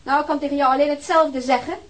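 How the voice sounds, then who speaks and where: A haughty, aristocratic lady who is cold and scornful, voiced by a woman in a radio play. Her voice sits a little high. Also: steady tone, quick pace, slight background noise, close to an everyday voice.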